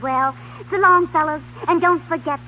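A woman acts out a brassy young dancing girl with a very high voice and gushing, slangy, streetwise delivery. It sounds like a tinny 1930s radio comedy broadcast with faint hum and hiss. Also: moderate pace, natural voice. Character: brash young nightclub dancing girl craving publicity.

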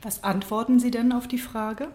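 A woman's voice: fairly high pitch, steady tone, normal speed, mellow. A woman radio interviewer asking direct, concise questions. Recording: roomy studio echo.

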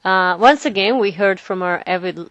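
A woman co-hosting a language podcast, cheerful and quick to laugh. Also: mid-range voice, a bit bright, no room sound, muffled recording. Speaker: podcast co-host, native speaker. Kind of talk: casual podcast talk.

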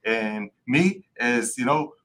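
A man's voice: medium pitch, expressive, slow, a bit bright. A man with an Israeli accent, a native Hebrew speaker, answering interview questions in English and often searching for words. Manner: many fillers, searching for words. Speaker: guest tax expert.

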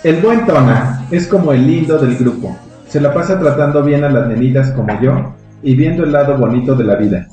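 A man's voice: medium pitch, moderate pace, hardly any pauses, dark tone, soft background music. A man with a Mexican Spanish accent, a podcast host reading an article aloud and trading teasing jokes. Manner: joking, teasing banter. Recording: very echoey room.

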